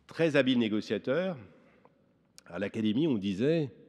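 Quiet surroundings behind a man's medium-pitched voice. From France, Lorraine; France. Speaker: law professor and mayor, new academician; law professor, mayor. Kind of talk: reading aloud a prepared tribute. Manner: formal. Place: hall. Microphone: podium.

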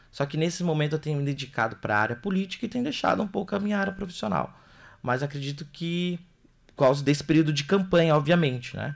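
The man's fairly high voice moves at a very fast pace with lively intonation. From Brazil, Foz do Iguaçu (Paraná); Paraná, Brazil. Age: 20s. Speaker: political candidate; candidate. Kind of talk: radio interview. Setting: radio studio. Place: studio. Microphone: studio mic.

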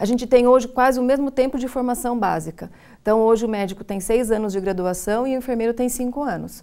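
Against a quiet background, a woman with a high pitch and a dark, mellow tone speaks very fast with fairly even intonation. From São Paulo city, Brazil; Brazil. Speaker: nursing professor. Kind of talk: studio interview. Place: studio. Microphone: lapel.

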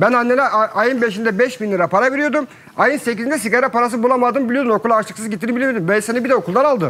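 A man's extremely high voice at a very fast pace, hardly any pauses, ordinary pitch variation. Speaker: husband of woman who left; talk show guest. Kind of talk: emotional testimony on TV talk show. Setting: studio. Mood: upset, pleading, emotional. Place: studio.

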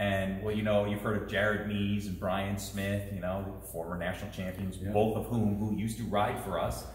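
Speaking at a moderate pace, a man with a fairly low pitch keeps a monotone, flat intonation amid audible room echo and light background noise. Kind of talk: interview answer. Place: shop. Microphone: camera far.

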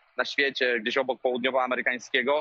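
A man's flat, monotone delivery in a dry recording with no echo. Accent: Polish. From Poland. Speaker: sports reporter. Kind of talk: live report. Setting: video call from stadium. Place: hall. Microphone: earbuds.

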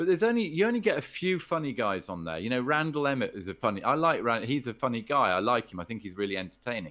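With a British accent and very wide pitch swings, the speaker goes at a very fast pace over a quiet background. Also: man. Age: 60s. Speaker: poker executive and player; podcast guest. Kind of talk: podcast interview. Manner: halting, repeats words. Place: home room. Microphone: video call.

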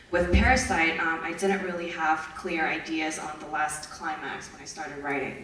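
Her voice sits fairly low, moving at a moderate pace with ordinary pitch variation, with audible room echo and light background noise around it. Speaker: interpreter. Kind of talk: consecutive interpretation. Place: stage.

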